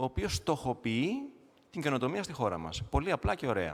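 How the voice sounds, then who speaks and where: A man speaks at a very fast pace, his pitch swinging very widely, on a very clean recording with a silent background. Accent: Greek. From Greece. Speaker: pharmaceutical executive. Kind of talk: conference presentation. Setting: conference hall.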